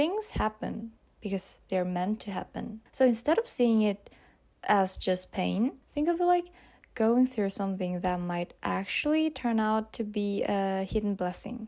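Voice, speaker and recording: A woman with a Korean accent talks fairly slowly at a fairly high pitch, her intonation lively and her tone dark and mellow. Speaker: self-improvement YouTuber and life coach. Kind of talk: motivational talk to camera. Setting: speaking to a camera.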